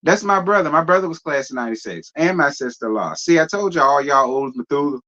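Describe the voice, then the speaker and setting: A man's voice: a little high, lively intonation, fast talker, bright, forceful tone, dull audio. A man in his thirties hosting a casual live stream, reading viewer comments and answering with a sassy, drawling manner and frequent laughter. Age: 30s. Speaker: host reading live chat.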